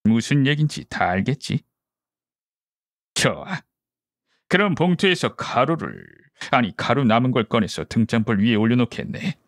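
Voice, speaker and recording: A man voicing a brisk, confident male detective who reasons methodically and commands, in audiobook dialogue. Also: medium pitch, big pitch swings, no room sound, clean studio sound. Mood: brisk, instructing. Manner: deductive, explanatory, commanding.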